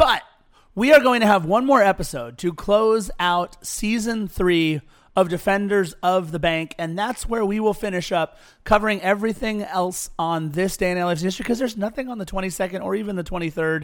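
A man's animated, fairly quick delivery at a high pitch, with ordinary pitch variation on a very clean recording with a silent background. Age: 30s. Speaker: soccer podcast host. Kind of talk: casual chat; match recap. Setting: studio.

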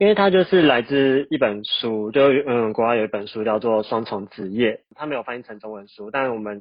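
In a normal speaking voice, a man of medium pitch talks at a moderate pace with hardly any pauses and ordinary pitch variation. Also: big swings in loudness. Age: 20s. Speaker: young entrepreneur and content creator. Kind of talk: casual interview.

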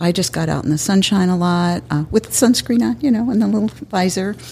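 A woman with medium pitch and a normal speaking voice talks at a moderate pace with lively intonation. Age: 60s. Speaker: scientist and university professor. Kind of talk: casual interview.

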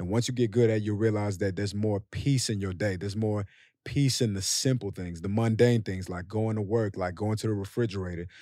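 A man speaks at a fairly quick pace with a fairly low pitch, a dark, mellow tone and fairly even intonation, on a very clean recording with a silent background. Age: 30s. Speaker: podcast host. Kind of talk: personal monologue.

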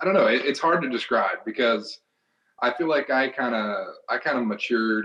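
A man with a Tennessee accent at a moderate pace. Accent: Tennessee Southern US. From Knoxville, Tennessee, US South. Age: 20s. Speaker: monster truck driver. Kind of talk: interview. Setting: phone call.

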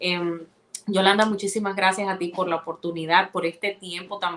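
At a moderate pace, a woman of medium pitch speaks with fairly even intonation in an unremarkable speaking voice. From Dominican Republic, Santiago. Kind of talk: interview.

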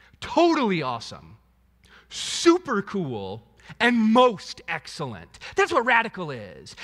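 In a raised, projected voice with a bright, sharp tone, a man speaks at a high pitch and a moderate pace. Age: 40s. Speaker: pastor. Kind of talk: sermon. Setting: church.

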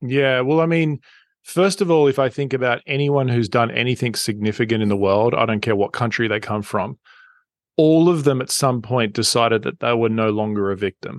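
A man with an Australian accent at a medium pitch, a fairly quick pace and ordinary pitch variation, dry and close with no echo, against a quiet background. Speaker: professional speaker and sales coach. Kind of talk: casual interview.

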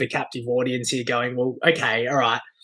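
A man with an Australian accent speaks at a medium pitch in a bright, sharp tone. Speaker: podcast host and financial adviser. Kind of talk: podcast interview.

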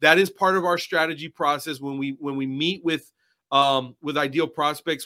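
A bright, sharp tone with fairly even intonation at a moderate pace, in a very clean recording with a silent background. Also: man. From Texas, San Antonio. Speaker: marketing and publishing consultant. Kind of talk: interview. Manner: halting.

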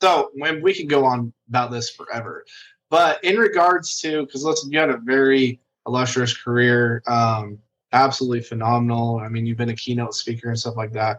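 Using a normal speaking voice, a man talks at a fairly quick pace with medium pitch and ordinary pitch variation. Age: 30s. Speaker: podcast host. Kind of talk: casual interview.

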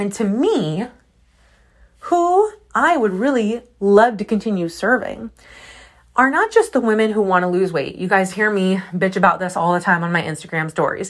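On a very clean recording with a silent background, a woman speaks with an American accent. Her voice is medium-pitched, her pace moderate, and her intonation lively. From upstate New York. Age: 30s. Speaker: fitness coach and podcast host. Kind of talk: solo podcast monologue, casual reflective talk. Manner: casual, chatty, animated.

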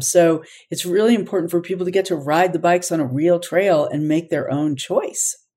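Recorded very cleanly against a silent background, a woman with an American accent speaks at a moderate pace, her fairly low voice dark and mellow in tone with ordinary pitch variation. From Arkansas, US South. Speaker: mountain bike tour company CEO. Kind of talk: interview conversation.

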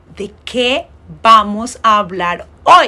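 A woman at a very slow pace. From Bogotá, Colombia. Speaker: Spanish teacher and podcast host. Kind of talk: casual chat.

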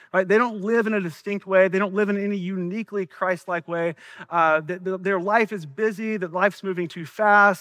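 Against a quiet background, a man with an American accent speaks at a fairly quick pace. His voice is high, bright and sharp, with fairly even intonation. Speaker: senior pastor. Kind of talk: sermon. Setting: church.

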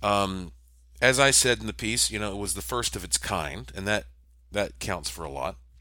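With an American accent, a man speaks at a moderate pace in a very deep, low pitch, his bright, sharp tone marked by vocal fry. His delivery is animated, with very wide pitch swings. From US South, Asheville, North Carolina. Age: 40s. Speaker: podcast host and paranormal researcher. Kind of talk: solo podcast monologue. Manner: animated, with frequent stammers.

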